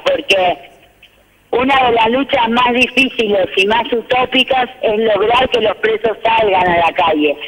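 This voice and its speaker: A woman speaking calmly as a guest over a choppy phone line that keeps breaking up, talking in measured phrases with restarts. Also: fairly high pitch, in a large hall. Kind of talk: live phone interview.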